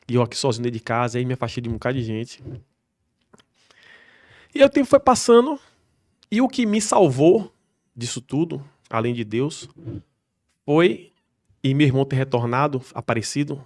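A man's voice: mid-range voice, a little mellow. A man, a podcast guest who works as a police soldier, telling an emotional personal story in an emphatic way, swearing freely and acting out the people he quotes.

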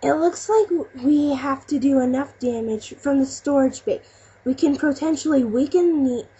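A woman's voice: high-pitched, moderate pace, warm tone, close to an everyday voice. A woman voicing a young boy fox, an eager, clever and plucky inventor, in an amateur cartoon demo reading. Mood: determined. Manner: earnest, plucky, exclamatory. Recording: muffled home recording with faint noise.

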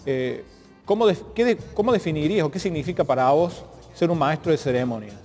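A man with a Cordobese Argentine accent, interviewing conversationally in a halting, thoughtful way, repeating words as he builds his questions. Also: on the high side, expressive, a little mellow. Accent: Cordobese Argentine Spanish. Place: large art gallery, indoors. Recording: long hall reverb, music underneath.

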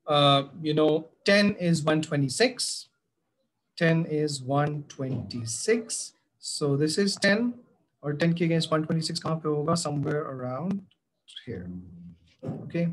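Speaking straight to his students, a South Asian-accented biology teacher gives an instructive tutorial in both English and Hindi-Urdu. His voice is fairly high, and the screen-recorded narration sounds rough.

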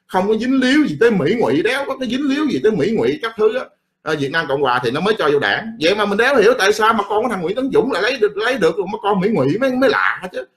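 A man's voice: high-pitched, sing-song, rapid-fire, fairly bright tone. A middle-aged man who rants about politics in a casual, blunt and profane way, rambling and repeating himself. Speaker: political commentator.

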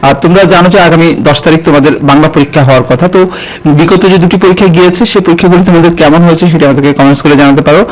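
A man teaching an exam-prep lesson and speaking straight to his students, pausing often with hesitations. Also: fairly high pitch, poor audio. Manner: addresses students directly, frequent hesitations. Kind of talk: online exam-prep tutorial.

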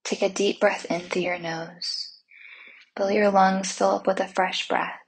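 A woman leading a Christian guided meditation in a soft, breathy voice, soothing and unhurried, with gentle instructions and long pauses. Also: mid-range voice, little pitch movement, slight background noise, low-quality recording.

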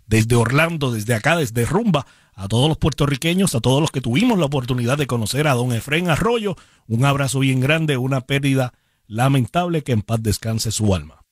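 A man hosting a radio show as DJ, with drawn-out emphatic words and casual slang. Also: medium pitch, animated. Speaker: radio DJ and host. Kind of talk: upbeat Spanish-language radio presenting. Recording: broadcast radio with music under the voice. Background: music.

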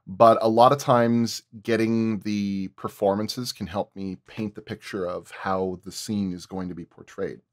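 A man's voice: fairly low pitch, fairly even intonation, measured pace, few pauses, no echo, studio quality. A man speaking as a sound designer on a panel, explaining his craft casually and in thoughtful detail.

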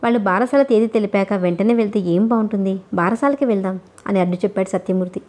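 A woman reads a novel aloud as an audiobook narrator, telling the story in a steady, even manner. Her voice is mid-range and her pace is fast.

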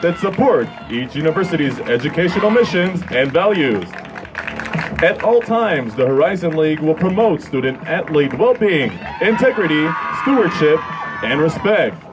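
High-pitched young male stadium announcer. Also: big pitch swings, music in the background. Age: 20s. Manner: formal, measured, drawn-out names. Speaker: public address announcer. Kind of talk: stadium PA announcing, scripted intros. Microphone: handheld microphone held close. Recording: outdoor crowd and ambient noise behind.

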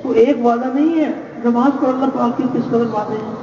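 A man preaching a sermon, measured and exhorting, repeating key phrases. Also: very high voice, warm tone. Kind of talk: religious sermon. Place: large gathering space. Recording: echoey, distant, dull lo-fi with faint noise.

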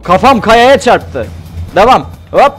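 An excitable man doing live game-stream commentary. His voice sits high and swings widely as he yelps at the screen and chats to his viewers. Faint game music plays underneath. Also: slow, husky. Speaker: gaming streamer.

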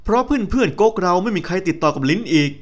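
A cheerful young agronomist with a bright, chatty, teasing way of talking, put on by a male storyteller. The voice sits high and swings up and down with lively energy. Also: quick pace, lo-fi sound. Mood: earnest.

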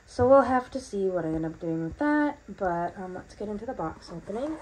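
On a poor-quality recording with slight background noise, a woman with a low, darkish voice narrates a home unboxing in her bathroom. The vlogger is chatty and rambling, full of ums, and her voice is still coming back after she lost it.

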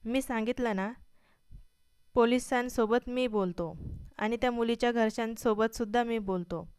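A stern elder brother hands out clipped commands, as a woman reads him. Her voice is very clear and a touch high. The recording is dry and close. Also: moderate pace, darkish tone, no echo, lightly acted. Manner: curt, commanding.

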